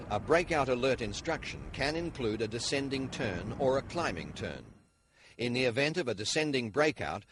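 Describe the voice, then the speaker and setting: A man reading scripted instructional narration in a formal, measured manner, as in a training video. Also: mid-range voice, a bit bright, breathy edge, dry recording.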